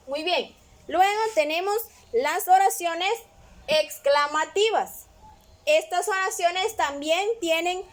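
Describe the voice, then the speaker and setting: A woman teacher patiently explaining a grammar lesson, often checking in with the listener. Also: sits high. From Guatemala. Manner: patient, repeats "¿verdad?" often.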